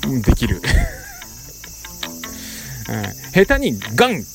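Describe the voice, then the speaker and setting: A middle-aged man casually telling a story as a podcast host, animated, with playful sound effects and rough casual phrasing. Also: medium pitch, measured pace, faint music behind.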